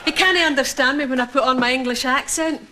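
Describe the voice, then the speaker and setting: A woman's voice: high voice, fast talker, natural voice. An actress with a Scottish accent playing a chatty, devout Catholic woman who teases and moralizes. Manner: lively, teasing, moralizing. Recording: noisy broadcast sound.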